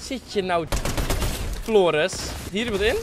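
A man, giving excitable live gameplay commentary in slangy speech sprinkled with English gaming words, close on a desk mic. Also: high-pitched, unhurried, music in the background. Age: 20s. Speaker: game streamer hosting an online hide-and-seek. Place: small room at a gaming desk, indoors. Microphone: close desk microphone.

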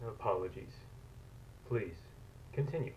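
An actor playing an earnest, patient psychiatrist with a formal, measured, clinical manner in an analog horror drama. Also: male voice, lowish voice, a little mellow. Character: earnest, patient male psychiatrist interviewing an inmate. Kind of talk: scripted analog horror acting. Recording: muffled, noisy old tape.

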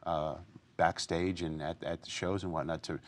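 A man's voice: deep voice, little pitch movement, moderate pace. A male host of a talk show who asks questions and keeps saying "yeah" and "mm-hmm" while his guest talks. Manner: affirming, frequent "yeah" and "mm-hmm". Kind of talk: interview questions.

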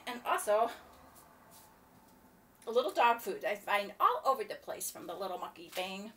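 A woman's voice: medium pitch, sing-song, moderate pace, sharp tone. An older woman chatting to camera in her home kitchen, rambling and complaining. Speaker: vlogger. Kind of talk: casual chat to camera. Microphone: laptop webcam from a few feet away. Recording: distant laptop mic, faint room noise.

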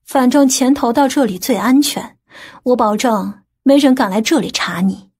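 A woman's voice: a little high, normal speed, darkish tone, husky. A woman acting a confident, well-connected aunt in an audiobook drama, speaking in an assured, matter-of-fact way. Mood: persuasive.

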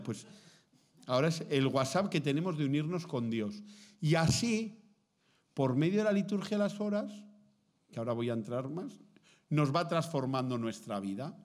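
A man's voice: mid-range voice, normal speed. A man from Spain, a priest and theology lecturer, gives a formative talk to contemplative nuns, telling stories with acted quotes and checking in with the listeners. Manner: lively storytelling with acted quotes, frequent "¿mm?" check-ins. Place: seminary lecture hall.

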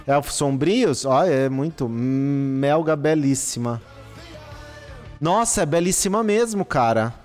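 A man, commentating a live gaming stream, excitable and exclaiming and swearing at what he gets. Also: a little high, slow. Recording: long reverb with faint music behind. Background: faint background music.

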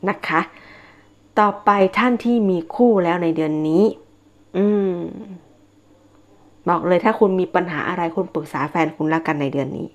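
A woman's voice: lowish voice, expressive, moderate pace, long pauses, highs cut off. Chatty woman reading a tarot horoscope. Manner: chatty, repeats herself, frequent fillers and polite particles. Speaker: tarot reader. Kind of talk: casual monthly horoscope reading.

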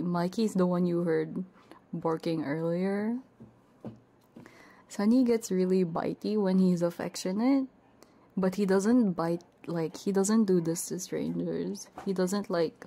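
A woman's voice: on the low side, gravelly, dark tone. A woman livestreamer chatting casually and playfully, often dropping into a whisper, with a giggly, doting way of talking as if to pets. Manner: giggly, doting and playful, cooing to pet dogs. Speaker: livestreamer, ASMR VTuber. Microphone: binaural 3Dio ASMR microphone. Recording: faint background noise, live stream.

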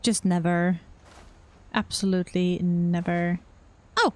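A woman's voice: fairly low pitch, steady tone, takes it slowly, a little mellow. A young woman streaming a game, musing aloud with murmurs and casual reactions. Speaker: gaming streamer. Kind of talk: casual let's-play commentary.

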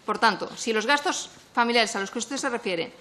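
A woman testifying as a witness in a parliamentary committee hearing, measured and composed, speaking into a desk microphone. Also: fairly high pitch, animated, sharp tone, slight background noise. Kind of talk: formal testimony.

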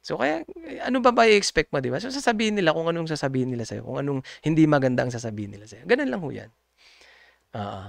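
A man with a fairly high, creaky voice talks fast and very animatedly, with no echo. He's a community group member addressing viewers politely in a casual, unscripted monologue, rambling with many hesitations and fillers and laughing often.

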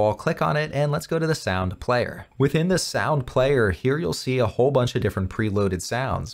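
A man hosting a step-by-step software tutorial, explaining in a conversational, instructional way. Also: mid-range voice. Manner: clear instructional, conversational phrasing. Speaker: tutorial host.

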